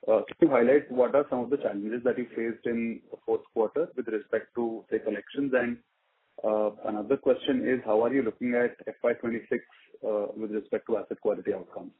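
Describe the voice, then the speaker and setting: A man's voice: medium pitch, steady tone, a little fast, slightly rough. A man politely putting questions as a financial analyst on an earnings call, in hesitant phrases. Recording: tinny, radio-like phone line.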